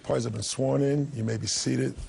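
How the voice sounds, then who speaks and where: A man with a gravelly voice making formal courtroom announcements as a bailiff. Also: mid-range voice, fairly even intonation, a little fast, darkish tone, slight background noise.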